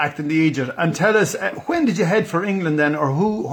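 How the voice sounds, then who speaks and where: Fairly quick speech with ordinary pitch variation, in an Irish Midlands accent. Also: man. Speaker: online show host. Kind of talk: casual interview. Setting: live stream at guests' home.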